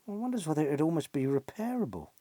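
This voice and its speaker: A man's voice: a little high, big pitch swings, quick pace, dark tone. A middle-aged British man giving casual hands-on repair commentary, thinking aloud and often tagging questions onto his remarks. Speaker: repair channel host, electronics technician. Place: small cluttered indoor electronics workshop.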